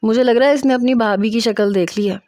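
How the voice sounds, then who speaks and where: A woman voicing a feisty, teasing young female student in a story, bossy and sharp-tongued. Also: fairly high pitch, no room sound, lightly acted.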